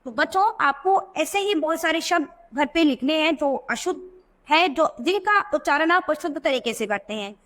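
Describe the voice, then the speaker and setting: Speaking slowly and deliberately, word by word, a woman teacher explains spelling corrections and answers the questions she herself raises. Her high voice has lively intonation and a fairly bright tone, recorded as a voice-over for a video book.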